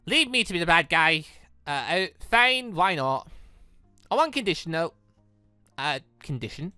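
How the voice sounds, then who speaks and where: Gamer voicing bossy guarded young woman in a visual novel, blunt, bright forceful voice, music behind. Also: mid-range voice, big pitch swings, unhurried, clear, resonant tone, no room sound. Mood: grudging.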